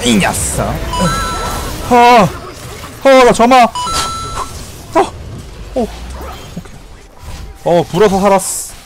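A man with a high voice streams a video game, excitedly commentating and playfully trash-talking. He shouts sound effects between slower remarks while game music plays behind him.

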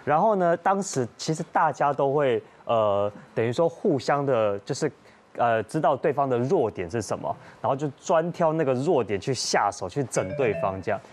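A man's voice: mid-range voice, normal speed. A man on a talk show telling a story about pranks with his bandmates. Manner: expressive storyteller. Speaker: guest. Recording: music under the voice.

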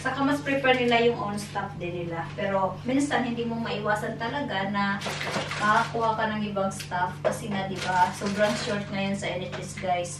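A woman's voice: medium pitch, fairly even intonation, fairly quick. Filipina vlogger, young, chatty casual talk, switches languages, roomy kitchen w/ clattering noise. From Philippines. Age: young adult. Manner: chatty, mixing Tagalog and English. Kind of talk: casual vlog chat, showing groceries. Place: small home kitchen indoors. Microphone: camera on the counter, a little away. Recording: roomy, distant mic, clattering household noise.

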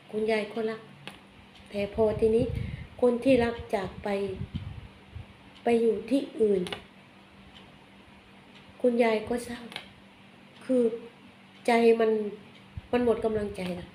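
A woman giving a casual tarot reading, chatty and blunt, softening her phrases with polite particles. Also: a little high. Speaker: tarot reader. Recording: echoey room, faint background noise.

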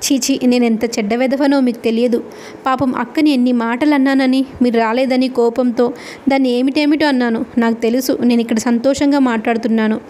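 A woman's voice: fairly high pitch, steady tone, fairly quick, mellow, a little hiss or hum, close to an everyday voice. A woman reading the lines of an earnest, anxious young man confiding in a friend, in her own voice. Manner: plain read-aloud dialogue.

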